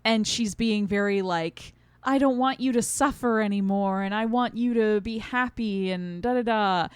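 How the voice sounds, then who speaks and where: A woman's voice: medium pitch, moderate pace, smooth, no room sound. A woman co-hosting a podcast in casual conversation, retelling things in detail and acting out quotes as she goes. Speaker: podcast co-host.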